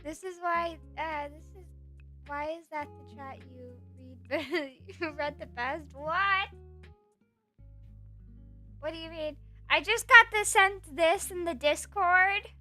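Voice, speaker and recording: Woman streamer, high and bright, playful rambling chat over soft background music. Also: takes it slowly. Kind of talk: casual chat reading stream chat.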